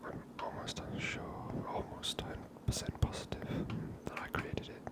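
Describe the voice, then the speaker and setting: A gamer giving gentle, hushed ASMR commentary over a video game, whispered close to the microphone. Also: moderate pace. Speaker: ASMR gamer, channel host.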